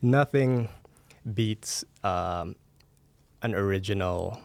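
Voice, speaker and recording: A man with a fairly low voice talks as a guest in a podcast interview. He explains in a conversational way, using examples and checking in with the listener. The studio sound is close and dry. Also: slow pace, vocal fry, darkish tone, no echo. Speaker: podcast guest, media entrepreneur. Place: recording studio.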